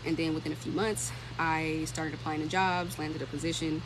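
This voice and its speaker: A woman's voice: sits low, flat delivery, normal speed. Thirty-year-old woman chatting casually, noisy background. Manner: informal, conversational, thinking aloud. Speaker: livestream host and tech career content creator. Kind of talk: casual livestream chat, answering comments.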